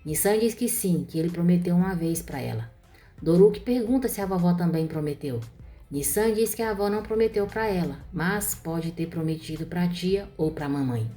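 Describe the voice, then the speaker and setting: Low-voiced woman narrating a recap. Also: expressive, moderate pace, dark tone, soft background music. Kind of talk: scripted soap-opera recap narration.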